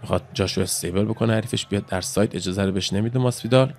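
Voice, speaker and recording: A man's voice: fairly low pitch, darkish tone, a little hiss or hum. A man giving casual play-by-play commentary on an old fight as the channel's host, explaining moves and drifting into chatty asides.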